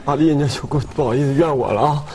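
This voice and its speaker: A man's voice: on the high side, fast talker, crowd noise, natural voice. An actor playing a dim-witted, joking young man in a sitcom. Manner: deadpan joking, folksy. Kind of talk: sitcom acting. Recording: sitcom with clear background noise.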